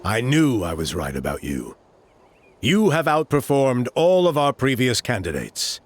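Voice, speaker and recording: A man's voice: mid-range voice, sing-song, measured pace, a little hiss or hum. An actor playing an earnest male tribal elder recruiting a hero, in a video game. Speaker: village elder.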